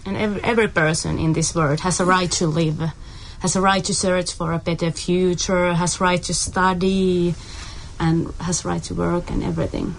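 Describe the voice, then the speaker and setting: Lowish-voiced woman from Finland. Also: level tone, moderate pace, gravelly, slight background noise, poor audio. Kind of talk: earnest group discussion.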